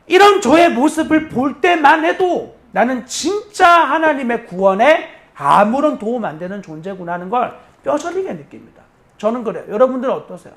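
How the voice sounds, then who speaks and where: A man in his thirties preaching a sermon in a church, telling a family story with quoted lines and asking the congregation direct questions. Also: very high-pitched. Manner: lively storytelling, acting out children's and his own quoted lines. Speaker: pastor.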